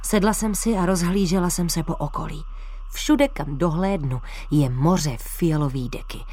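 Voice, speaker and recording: A woman narrating a children's story in the first person, in a lively, expressive way. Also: on the low side.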